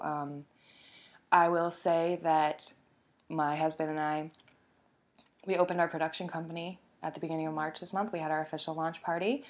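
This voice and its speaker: A woman hosting a podcast in a casual, upbeat way, her voice hoarse from being sick, recorded in a home basement. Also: sits low. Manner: chatty and upbeat, with many fillers. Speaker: podcast host. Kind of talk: casual podcast chat and phone interview.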